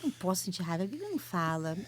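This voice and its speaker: A woman's voice: fairly low pitch, big pitch swings, rapid-fire, no room sound. A woman with a Brazilian Portuguese accent, a psychologist telling stories animatedly in a podcast chat, with many fillers. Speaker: psychologist guest. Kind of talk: casual podcast conversation.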